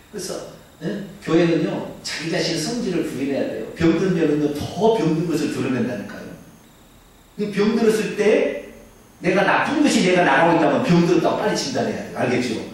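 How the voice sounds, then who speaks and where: A man preaching a sermon as pastor, animated and often prompting the congregation to answer him. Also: fairly high pitch, fairly quick. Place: church sanctuary. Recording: echoey hall, mic at a distance.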